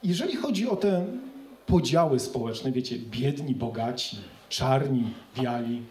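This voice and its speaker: Animated young man doing stand-up. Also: medium pitch, unhurried, low-quality recording. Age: young adult. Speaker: stand-up comedian, scientist. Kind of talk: stand-up comedy monologue. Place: student club stage in front of an audience. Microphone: handheld microphone.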